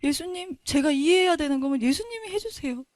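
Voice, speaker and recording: A woman's voice: sits high, lively intonation, fairly quick, no echo. A woman giving an earnest, emotional Christian testimony. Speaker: testimony speaker.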